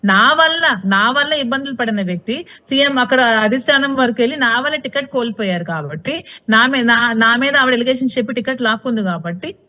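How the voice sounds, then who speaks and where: Fast-talking outspoken woman in an interview. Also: on the high side, expressive, pushed and bright. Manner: outspoken, insistent, repeats herself. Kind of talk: heated TV interview answers.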